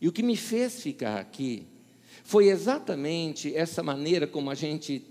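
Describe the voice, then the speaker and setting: A man's voice: a little high, a little slow, in a large hall. A male pastor with a Paulistano Brazilian Portuguese accent preaching a sermon, telling stories and acting out the dialogue. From São Paulo, Brazil. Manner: storytelling, acting out dialogue with lively shifts.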